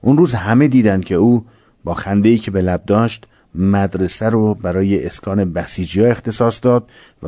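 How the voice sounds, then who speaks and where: A man reads scripted narration in a low, dark, mellow voice. His delivery is steady and solemn, and the sound is close and dry. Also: no room sound.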